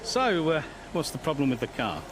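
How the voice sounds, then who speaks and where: A breezy male racing boss with a lively, varied pitch and a chummy, slightly patronising way of talking. It is game cutscene acting with clear noise behind. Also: normal speed. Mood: businesslike.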